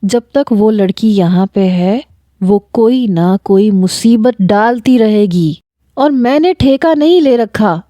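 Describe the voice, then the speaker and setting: A woman's voice: mid-range voice, lively intonation, mellow, no room sound, studio quality, close to an everyday voice. A woman reading a story aloud and voicing a stern, short-tempered man who gives harsh orders. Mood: dismissive. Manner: harsh, commanding, scolding.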